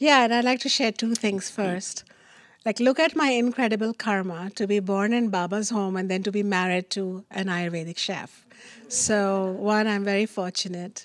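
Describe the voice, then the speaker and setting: A woman talks at a moderate pace with an Indian accent. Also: medium pitch for a woman, ordinary pitch variation. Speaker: Ayurveda teacher and author. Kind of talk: lecture. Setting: stage with audience.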